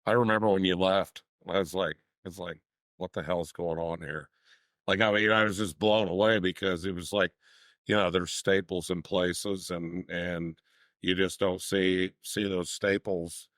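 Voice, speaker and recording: Male co-host, very low voice, rambling and restarting, dry room sound. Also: a bit bright, dry recording. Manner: rambling, filler-heavy storyteller. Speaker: talk show co-host. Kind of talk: casual chat.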